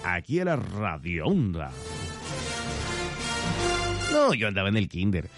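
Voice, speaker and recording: A man's voice: sits low, sing-song, measured pace, loud music behind the voice. A man hosting a morning radio trivia segment, chatty and playful, talking straight to listeners. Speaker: radio host.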